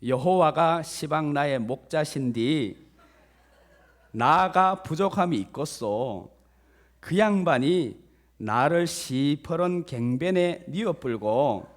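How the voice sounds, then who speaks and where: A hearty, rough-talking country man booming out a psalm, as a male pastor puts him on. The reading is loud and rustic, pitched a bit high.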